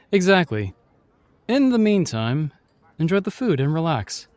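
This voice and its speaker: An actor playing a chivalrous, shyly tender knight in a fantasy audio roleplay, speaking with courtly, reassuring and slightly hesitant phrasing. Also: male voice, fairly high pitch, very animated, slow, a little mellow, no room sound. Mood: reassuring, wry.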